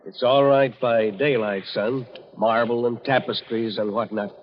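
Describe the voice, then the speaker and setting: A man's voice: mid-range voice, steady tone, a little slow, a little hiss or hum, lightly acted. An actor playing a folksy older man, paternal and colloquial, giving ominous warnings in an old-time radio drama. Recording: dull, muffled old radio recording.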